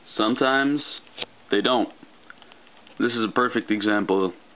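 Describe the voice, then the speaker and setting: Noticeable background noise runs under this recording. A man speaks over it at a moderate pace. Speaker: gear reviewer. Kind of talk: product review talk to camera. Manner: hesitant, stuttering, many fillers.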